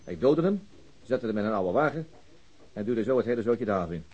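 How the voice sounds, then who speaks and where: An actor playing a methodical, persistent police detective in a radio crime drama, speaking in a colloquial way. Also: male voice, lowish voice, animated, brisk, husky, highs cut off. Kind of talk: Dutch radio drama dialogue.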